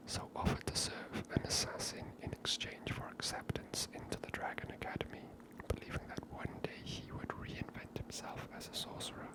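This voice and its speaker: Whispering softly and breathily the whole time, a woman hosting an ASMR series muses casually about a video game. The audio quality is poor.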